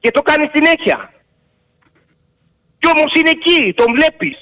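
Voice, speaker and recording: A man calling a radio show to argue loudly and insistently, talking over the host. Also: extremely high pitch. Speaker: caller. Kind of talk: heated call-in argument.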